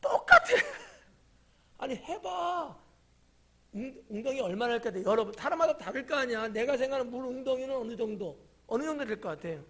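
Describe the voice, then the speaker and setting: A male pastor, preaching a casual Wednesday sermon. He keeps asking the congregation questions, then sinks to a whisper or jumps to a shout. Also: very high-pitched. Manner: chatty, quizzes the congregation by title; drops to whispers and rises to sudden shouts. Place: church sanctuary.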